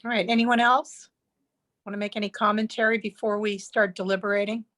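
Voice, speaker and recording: A woman chairing a public committee meeting in a polite, brisk, procedural way. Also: medium pitch, level tone, a bit bright.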